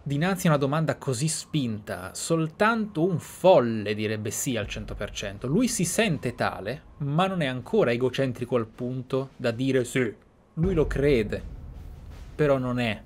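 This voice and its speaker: A man's voice: mid-range voice, lively intonation, unhurried, a little hiss or hum. Man giving reflective game commentary. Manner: reflective, explanatory, repeats words for emphasis. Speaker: gaming streamer, player. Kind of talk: casual roleplay playthrough commentary. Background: game sound.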